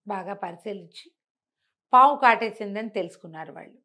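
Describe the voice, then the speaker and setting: A woman telling a folk tale in a conversational, expressive storyteller's way, repeating phrases for emphasis. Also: mid-range voice, fairly quick.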